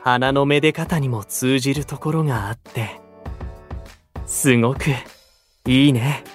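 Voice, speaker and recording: A man playing a quiet, dreamy young idol in a voice drama, speaking in soft, sparse, halting phrases. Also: mid-range voice, steady tone, close to an everyday voice. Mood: serene. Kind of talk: anime-style voice drama acting. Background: music.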